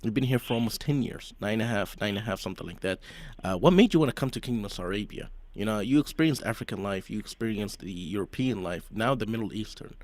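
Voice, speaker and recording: A man's voice: lowish voice, quick pace. A male radio host running an interview, upbeat and teasing as he asks his questions.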